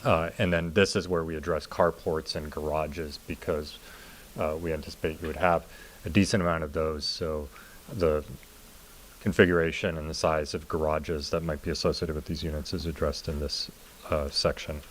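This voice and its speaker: A man with an extremely deep voice presents as a planning consultant. He explains things informally, in the setting of a public council meeting. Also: fairly even intonation, normal speed, slight background noise. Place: city council meeting room.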